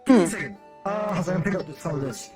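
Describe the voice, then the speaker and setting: A woman with a lively, swinging voice improvises casual roleplay. She is hesitant and often trails off, with music clearly playing behind her. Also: fairly low pitch, very fast. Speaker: roleplayer in a virtual-reality game.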